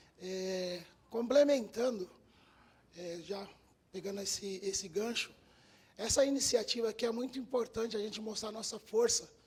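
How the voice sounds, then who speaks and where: A man with a high-pitched voice speaks at a moderate pace with ordinary pitch variation and long, frequent pauses. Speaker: capoeira master. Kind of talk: public speech at session. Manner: halting, many fillers.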